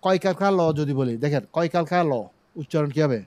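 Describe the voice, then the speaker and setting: A middle-aged man with a Chittagong Bengali accent, teaching an online English pronunciation class from his own studio, explaining slowly and having students repeat words. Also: a little high, animated, a little mellow, dry recording. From Bangladesh.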